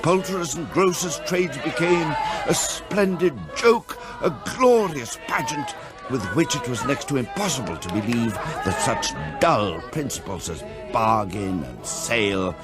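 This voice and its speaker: An actor playing a wry storyteller, giving theatrical, scripted narration of a Victorian tale in a radio drama. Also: male voice, mid-range voice, sing-song, measured pace, a loud crowd. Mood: relishing. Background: music.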